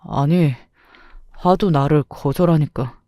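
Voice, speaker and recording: A weak, shameless husband wheedles and makes excuses in a mellow, slightly lower voice, as a woman puts him on. The recording is dry and close, like a storybook. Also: takes it slowly, no echo. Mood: wheedling.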